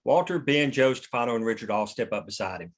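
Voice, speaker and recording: A man's voice: medium pitch, animated, fast. Male narrator for a screenplay table read, mid-range voice, reading action lines. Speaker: narrator reading stage directions.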